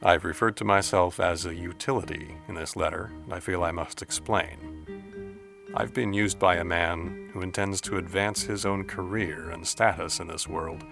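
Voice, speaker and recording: A man acting a solemn, reflective letter writer in a deliberate, formal audio drama monologue, with music behind him. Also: low-pitched, vocal fry.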